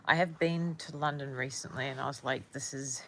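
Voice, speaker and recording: A woman's voice: a bass voice, steady tone, moderate pace, bright, forceful tone, slight background noise. A young woman with a New Zealand accent chatting casually with viewers on a livestream, rambling and often searching for words.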